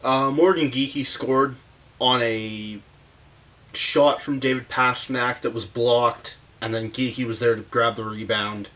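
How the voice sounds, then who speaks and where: A man hosts a casual breakdown of a hockey game, his voice hoarse and worn from illness. He talks slowly and haltingly, filling gaps with pauses and fillers as he walks through the game. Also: mid-range voice, fairly even intonation, a bit bright. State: sick, hoarse voice. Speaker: hockey commentary host. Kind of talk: casual sports breakdown monologue.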